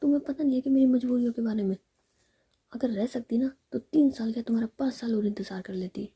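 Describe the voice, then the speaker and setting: A woman's voice: on the high side, fast, dark tone, husky. A woman voicing a playful but worried young woman facing an arranged marriage, whispered.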